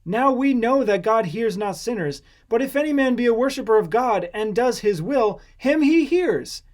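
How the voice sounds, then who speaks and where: A man's voice: very high voice, expressive, moderate pace, darkish tone, voice pushed up. A man voicing an earnest, bold man healed of blindness in a scripture audiobook, speaking emphatically and plainly. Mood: indignant, bold.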